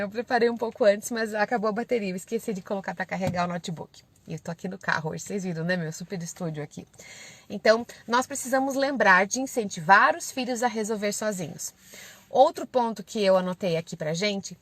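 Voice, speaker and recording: A woman's voice: on the high side, no room sound. A woman in her thirties with a Brazilian Portuguese accent, giving parenting advice in casual live-stream talk from inside a car, often checking in with "né?" and "certo?". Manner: warm and conversational, often adds "né?" and "certo?".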